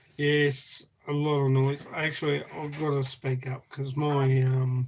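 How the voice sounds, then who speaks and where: Noticeable background noise sits behind a man with a fairly high pitch. He talks at a fairly slow pace in a monotone, flat intonation. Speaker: vlogger. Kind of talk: casual live stream chat. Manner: soft-spoken.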